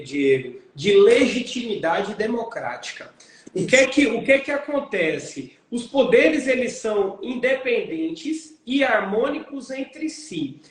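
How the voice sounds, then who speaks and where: A man, a lawyer and interview guest, explaining legal points in a measured way and posing rhetorical questions to himself. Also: very high-pitched. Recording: very echoey room.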